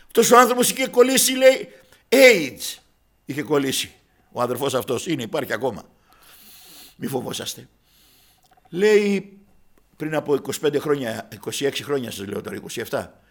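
A man's voice: medium pitch, expressive, vocal fry, long pauses, a bit bright. A man preaching a sermon, telling a story and addressing his listeners as brothers, acting out the dialogue. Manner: acts out dialogue in quoted voices.

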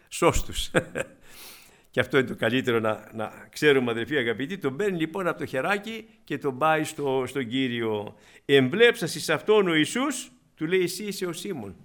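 A preacher with a high-pitched, ringing voice. He talks to the congregation with great fervour and calls them beloved brothers over and over. His laughter comes easily as he tells stories about his own past. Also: a bit bright. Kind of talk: sermon.

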